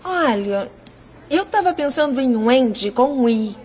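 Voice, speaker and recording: Film dub: naive, sweet young Brazilian woman, hesitant, high-pitched and husky. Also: lively intonation, measured pace, darkish tone, full character voice. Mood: shy, hesitant.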